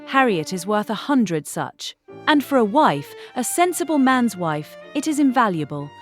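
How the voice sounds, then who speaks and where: Woman acting an earnest, emphatic young gentlewoman, lifted pitch. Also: big pitch swings, normal speed, faint music behind. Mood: fervent, admiring. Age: young adult. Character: Emma, confident, earnest young gentlewoman, affectionate and self-assured. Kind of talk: dramatised classic novel audiobook acting.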